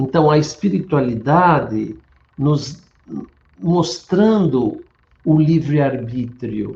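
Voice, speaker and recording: Speaking at a very slow pace, a man leaves long, frequent pauses. His fairly high, somewhat breathy voice has a dark, mellow tone and lively intonation. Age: 60s. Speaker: spiritist study teacher. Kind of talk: lecture.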